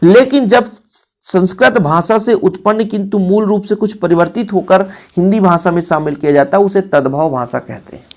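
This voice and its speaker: A man's voice: sits high, moderate pace, darkish tone. A man teaching an exam-prep grammar lesson, stressing his points and often checking in with the students. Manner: emphatic, repeats examples and keeps checking in with the students. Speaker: Hindi teacher.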